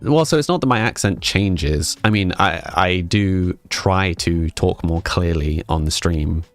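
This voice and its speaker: Young english man, very low voice, relaxed rambling stream chat, soft music behind. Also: a little slow. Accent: English, mixed northern and southern. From England, with family in Scotland. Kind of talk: casual chat with stream viewers.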